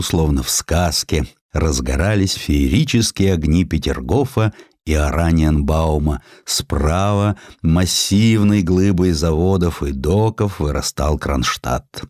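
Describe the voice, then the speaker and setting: Low male voice narrating an audiobook, dramatic and deliberate, super dry studio sound. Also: darkish tone, no room sound. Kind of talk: dramatic scripted literary narration.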